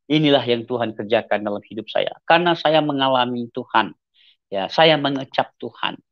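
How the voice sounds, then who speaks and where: Middle-aged acehnese guy preaching his testimony, earnest and repetitive, mid-pitched, kinda muffled lo-fi sound. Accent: Acehnese with mixed Medan, Timor and Malaysian traces. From Aceh, Indonesia. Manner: earnest, repetitive, sudden rises in pitch for emphasis. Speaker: evangelist. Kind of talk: personal testimony to camera. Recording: slightly dull lo-fi audio.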